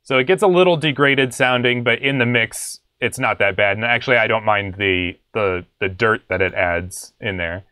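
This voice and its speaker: A man's voice: on the low side, moderate pace, few pauses, sharp tone, clean tone, dry recording. A young adult man hosting a casual music production tutorial, explaining in a laid-back, conversational way. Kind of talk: casual screen-share tutorial. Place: small home studio room.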